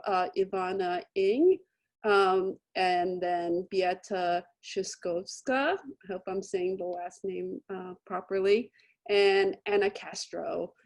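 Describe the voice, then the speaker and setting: A woman moderating an online artist talk, halting and searching for words as she introduces the speakers. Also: medium pitch. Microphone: computer mic on a video call.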